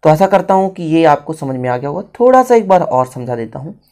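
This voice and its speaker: A man's voice: fairly high pitch, sing-song, fairly quick, dark tone. An Indian man teaching a writing lesson step by step, repeating phrases and switching languages as he explains each one.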